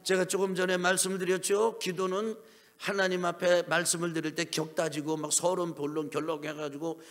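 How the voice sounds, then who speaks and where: Man preaching an animated sermon. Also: high voice, normal speed. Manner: emphatic preaching with acted-out dialogue and call-and-response. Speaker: pastor.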